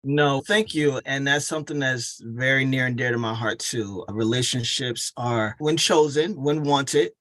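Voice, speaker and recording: A man's voice: mid-range voice, measured pace, few pauses, fairly bright tone. Affirming man hosting an interview. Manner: affirming, reflective. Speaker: interviewer, coach.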